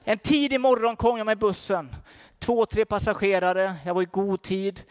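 An older man preaching a sermon, fervent and emphatic, shifting between loud declarations and quiet storytelling. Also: sits high. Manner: fervent, rising to emphatic peaks then dropping to soft storytelling.

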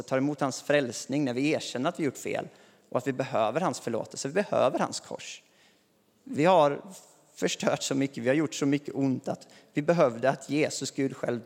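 A man preaching a sermon in a relaxed, conversational way with light chuckles, recorded in a church hall. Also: mid-range voice. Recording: long hall reverb.

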